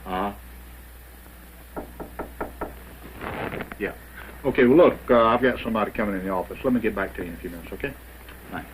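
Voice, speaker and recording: Man playing police officer, lowish voice, measured, businesslike, faint old film noise. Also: close to an everyday voice, low-quality recording. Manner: measured, questioning. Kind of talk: 1970s training film acting.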